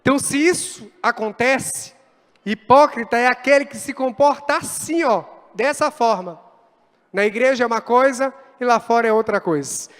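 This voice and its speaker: A man with a very high-pitched voice delivers an animated sermon, slipping into quoted voices as he tells his stories. His words ring out through a church hall with a long reverb trailing behind them. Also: normal speed. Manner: animated, acts out quoted dialogue. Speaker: pastor.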